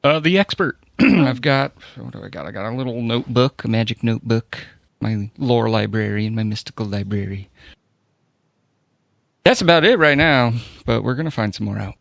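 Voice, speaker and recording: A man's voice: mid-range voice, animated, normal speed, creaky, a bit bright, no room sound. A man bantering casually as a tabletop game player, loose, joking and happy to swear. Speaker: podcast player.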